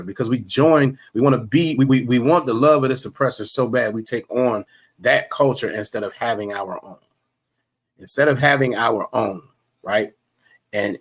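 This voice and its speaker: A man's voice: medium pitch, husky. A man teaching a livestreamed religious class, in a preachy, repetitive way with many fillers and restarts.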